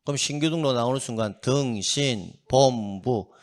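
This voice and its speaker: A man's voice: medium pitch, normal speed. A middle-aged man lecturing on exam prep, often asking a question and answering it himself, drilling his students to repeat key phrases aloud, and adding joking asides. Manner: animated, asks and answers his own questions.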